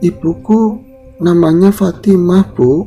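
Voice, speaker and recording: A man's voice: high-pitched, takes it slowly, dark tone, soft background music, voice pushed up. A man voicing a polite, composed young woman.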